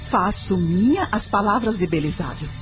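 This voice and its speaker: An actress playing a principled, devout Spiritist wife in a radio soap opera, speaking earnestly and didactically. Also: female voice, medium pitch, expressive, normal speed, over music, close to an everyday voice. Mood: earnest, firm.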